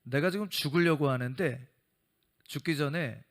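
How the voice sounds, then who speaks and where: A man voicing a rough, middle-aged former gangster who talks in curt, rude demands. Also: on the high side, normal speed, close to an everyday voice. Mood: gruff.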